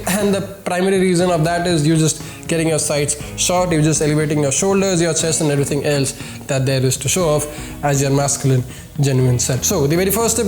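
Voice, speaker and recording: A man's voice: fairly high pitch, darkish tone. A man with an Indian accent and a nasal voice from a cold, hosting a men's style tutorial in an emphatic, repetitive way. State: congested with a cold. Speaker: host of a men's grooming video series. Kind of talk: scripted-style hairstyle tutorial addressed to viewers. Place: home studio indoors. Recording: echoey room with music behind.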